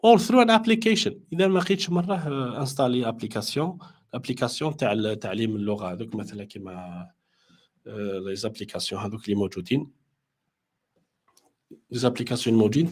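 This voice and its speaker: A man with an Algerian Arabic accent lecturing as a language teacher. He talks in rapid Arabic, then slows into careful English with many fillers. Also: mid-range voice, darkish tone, slightly rough.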